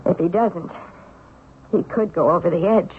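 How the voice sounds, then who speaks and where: A woman's voice: fairly low pitch, moderate pace, lightly acted. An actress in a 1970s radio drama playing an anxious wife, earnest and reassuring with her injured husband. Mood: concerned. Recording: narrow-band old radio recording, faint noise.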